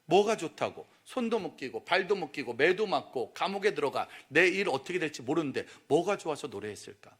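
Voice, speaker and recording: A middle-aged male pastor preaching a lively, humorous sermon in a church, teasing and questioning the crowd. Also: on the high side, fairly quick, few pauses, slightly rough. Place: church sanctuary.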